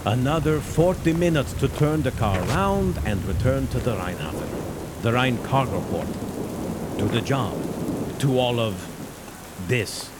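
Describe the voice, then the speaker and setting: A man's voice: mid-range voice, lively intonation, very noisy, close to an everyday voice. Male actor, older Swiss harbor pilot; Swiss German accent, groping for English words, dutiful, rain-soaked radio drama. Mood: weary. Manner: halting English with German slips.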